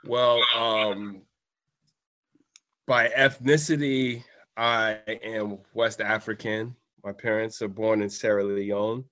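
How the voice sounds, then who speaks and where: A young man from Boston speaks slowly in a fairly low voice as a guest on a radio show. He answers thoughtfully and softly, pausing often on "um.". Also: fairly even intonation, poor audio. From Boston, USA. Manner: slow, soft-spoken, thoughtful, many "um"s. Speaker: guest writer. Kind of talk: radio interview.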